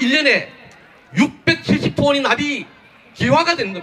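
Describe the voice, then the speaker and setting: A man's raised, projected voice with lively intonation over crowd noise in the background. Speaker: protest committee organizer, former plant engineer. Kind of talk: protest rally speech. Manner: halting, with fillers.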